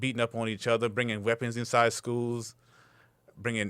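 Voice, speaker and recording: A man with an American accent talks at a fairly quick pace in a bright, sharp tone on a very clean recording with a silent background. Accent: slight Southern accent at times. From US South, South Carolina; finished school in Brooklyn. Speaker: school safety agent. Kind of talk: interview. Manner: casual, with many fillers.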